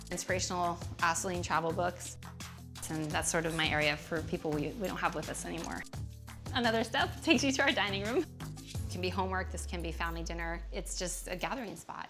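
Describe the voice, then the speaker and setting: A woman from Hawaii in her thirties giving an enthusiastic, casual tour of her small home. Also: on the low side. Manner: warm, enthusiastic, laughs often. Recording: background music.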